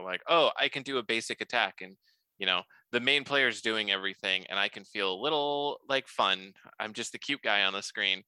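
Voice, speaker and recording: A man's voice: on the low side, clear, resonant tone, no echo. A man co-hosting a podcast, reviewing a game in a playful, jokey way. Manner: playful, jokey, lively delivery. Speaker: podcast co-host. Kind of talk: casual podcast chat.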